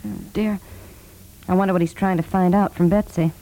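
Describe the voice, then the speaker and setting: A woman's voice: on the low side, steady tone, brisk, close to an everyday voice, rough recording. An actress playing an anxious, protective suburban mother, fretful but polite, in a 1950s radio comedy. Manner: fretful, polite, gently correcting.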